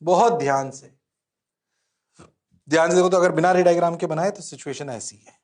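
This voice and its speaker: A male physics teacher giving a lively exam-prep lecture, repeating questions to his students. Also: fairly high pitch, moderate pace. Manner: animated, playful, repeats questions to the class.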